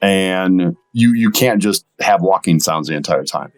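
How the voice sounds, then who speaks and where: A man with a low, deep voice chatting as an interview guest. He is easygoing and agreeable, piecing his thoughts together haltingly. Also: lively intonation, a little mellow, soft background music. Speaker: guest voice actor. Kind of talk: casual interview chat.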